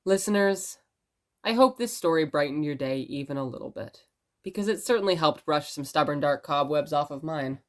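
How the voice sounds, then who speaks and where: A woman acting as a gentle radio host in an audio drama, telling stories in a musing, conversational way. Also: deep voice, lively intonation, moderate pace. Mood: rambling, musing. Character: rambling, gentle blind radio station host.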